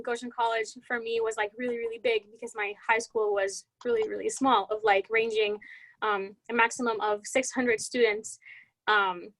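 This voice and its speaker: A young Puerto Rican woman with a Spanish accent and a fairly high voice, answering panel questions. She pauses often, fills gaps with "um" and restarts her words, since Spanish is her first language. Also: fairly bright tone, low-quality recording. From Puerto Rico. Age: young adult. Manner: hesitant, many fillers, restarts words. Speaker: student panelist.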